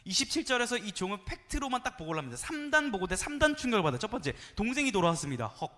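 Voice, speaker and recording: In a large church sanctuary, a high-voiced youth pastor delivers a playful, animated sermon to young congregants. He sometimes acts out voices and calls on the listeners to answer him.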